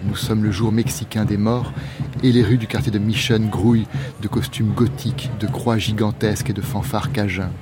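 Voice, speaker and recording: A man narrating a radio documentary in a measured, literary, scripted delivery. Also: lowish voice, level tone, noisy background. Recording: narration over music bed.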